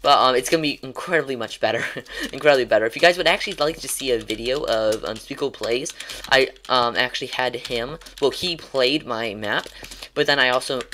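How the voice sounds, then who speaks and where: A man's voice: mid-range voice, fairly quick, sharp tone, slight background noise. Rambling, tongue-tied young streamer guy. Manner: rambling, tongue-tied, many restarts and ums; chuckles while talking. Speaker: gaming streamer. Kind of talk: casual livestream sign-off chat.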